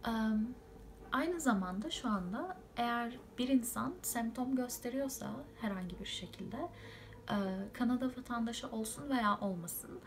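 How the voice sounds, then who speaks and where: A woman's voice: a little high, slight background noise. A young woman from Turkey giving an informative update, explaining point by point with hesitations. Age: young adult. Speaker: student living abroad.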